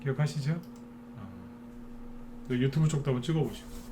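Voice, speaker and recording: A man at a mid pitch gives a chatty live stock lecture, often checking in with his viewers through short asides. The recording carries a faint hiss of background noise. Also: a little fast, warm tone. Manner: chatty, many filler "ne" and tag questions to viewers. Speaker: stock market commentator.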